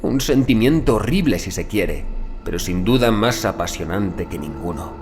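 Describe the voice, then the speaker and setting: A man narrating a scripted first-person horror story in a measured, deliberate literary manner. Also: lowish voice, expressive, a little mellow, faint music behind. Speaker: audiobook narrator.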